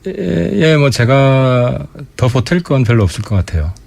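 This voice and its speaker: A man guesting on a radio current-affairs interview as a lawmaker, giving pointed, sharp-tongued political commentary into a studio mic. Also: mid-range voice, very animated, a little slow, vocal fry.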